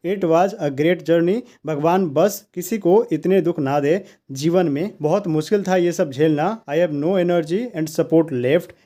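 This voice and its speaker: A man's voice: on the high side, mellow. A man with an Indian accent narrating gossip news for online viewers in a scripted style.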